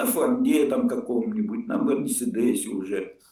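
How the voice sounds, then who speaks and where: Audible room echo surrounds a man with high pitch and lively intonation. He speaks at a very slow pace. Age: old. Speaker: Crimean Tatar interviewee. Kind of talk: casual chat.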